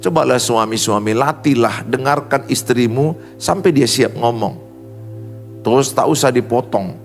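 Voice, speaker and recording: Seorang pendeta pria menyampaikan khotbah dengan penuh penekanan. Suaranya naik turun antara nada tinggi dan rendah. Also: male voice, a little slow, vocal fry. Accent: Indonesian. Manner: emphatic preaching, swings high and low. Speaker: pastor. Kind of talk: sermon. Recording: long reverb with faint music.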